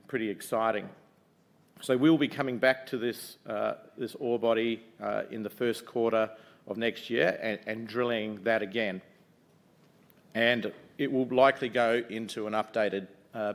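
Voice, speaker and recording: Loud middle-aged Kiwi man pitching investors. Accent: New Zealand. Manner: upbeat, conversational pitch with frequent ums and uhs. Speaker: mining company executive presenting to investors. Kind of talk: investor conference presentation.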